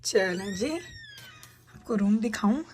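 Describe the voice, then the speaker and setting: A woman's voice: fairly high pitch, huge pitch swings, slow pace, a little mellow, a little hiss or hum. A woman chatting casually to her viewers as she gives a tour of her bedroom at night, speaking into a handheld phone. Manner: chatty, addresses viewers directly while showing things. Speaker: vlogger giving a room tour. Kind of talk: casual home vlog talk. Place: home bedroom at night, indoors.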